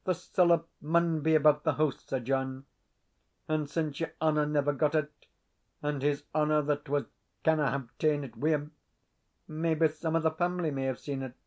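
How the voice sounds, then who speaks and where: A man's voice: fairly high pitch, fairly even intonation, moderate pace, darkish tone, lightly acted. A man voicing a desperate, pleading Scottish tenant who speaks in broad Scots dialect.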